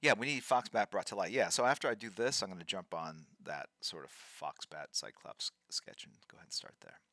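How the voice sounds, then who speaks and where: A man in his fifties hosting a livestream, chatting casually while drawing and reading out viewer names in a halting, thinking-aloud way. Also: fairly low pitch, expressive, pushed and bright, no echo, clean studio sound. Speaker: livestream host.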